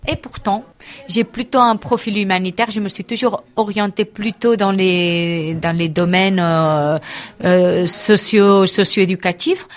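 A middle-aged woman from Barcelona, a school life counselor, answering interview questions thoughtfully, with frequent pauses and restarts. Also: medium pitch, fairly even intonation. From Barcelona, Spain.

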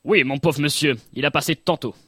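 A man's voice: a little high, steady tone, a little fast, bright, forceful tone, breathy edge, dry recording, studio quality. A male reader voicing a sullen, suspicious peasant man with rustic, grudging speech.

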